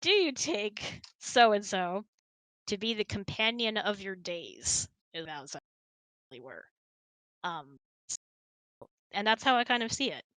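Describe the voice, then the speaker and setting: Female host, casual and conversational, bright tone, dry sound. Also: medium pitch, no echo, low-quality recording. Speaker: host answering audience questions. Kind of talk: casual chat.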